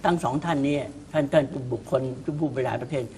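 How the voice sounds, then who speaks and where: A man's voice: on the high side, fast talker, vocal fry, a little mellow, slight background noise. A man speaking as a political commentator on a talk show, emphatic and often repeating words as he starts a point.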